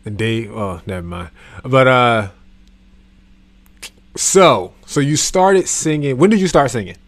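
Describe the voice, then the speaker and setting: A man's voice: medium pitch, expressive, unhurried, dry recording. A man hosting a casual interview, talking in an informal, slangy, joking way. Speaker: podcast host, interviewer. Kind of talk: casual chat.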